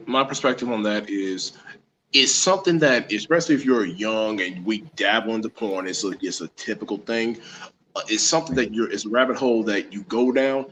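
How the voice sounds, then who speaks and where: Man, lowish voice, podcast co-host, casual opinion talk, faint background noise. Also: a bit bright, low-quality recording.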